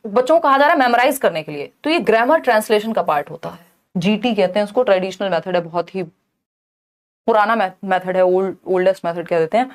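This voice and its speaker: A woman teaching an online exam-prep lesson, explaining in Hindi and reading English questions out slowly. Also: fairly high pitch.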